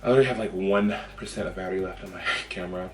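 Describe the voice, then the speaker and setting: A man's voice: low-pitched, very fast. A man talks as a sassy, chatty drag queen in a casual vlog. The room echoes around the voice and music plays behind. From Oakland, California. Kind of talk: casual chat with strangers on video chat. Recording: roomy echo with music behind.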